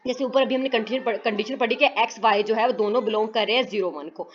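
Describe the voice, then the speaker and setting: A woman tutor explaining math proofs in a recorded lecture, halting with fillers and self-corrections, mixing in English terms. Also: a little high, dull audio, crowd noise.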